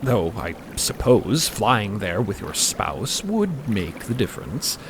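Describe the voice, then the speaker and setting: An actor playing a fussy, pensive intellectual man in an audio drama, with hesitant, formal and expressive delivery. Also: fairly low pitch, slow, creaky, noisy background, heavily acted. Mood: hesitant, rueful.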